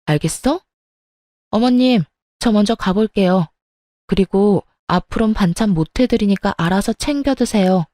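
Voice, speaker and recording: Mellow woman narrating a story. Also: medium pitch, moderate pace, no room sound, clean studio sound. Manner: fierce when voicing her own angry retorts.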